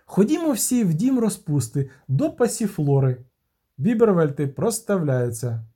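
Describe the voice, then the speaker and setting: A man doing an excitable flamboyant bard. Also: fairly high pitch, a little slow, husky, pitched above the performer's own voice, full character voice. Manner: theatrical, exclaiming.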